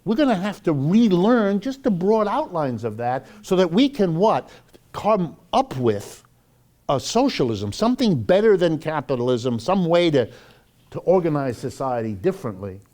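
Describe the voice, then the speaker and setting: Animated man lecturing, higher-pitched voice. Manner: emphatic, rhetorical questions, deliberate pauses. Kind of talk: informal public political lecture with storytelling. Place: live talk before an audience.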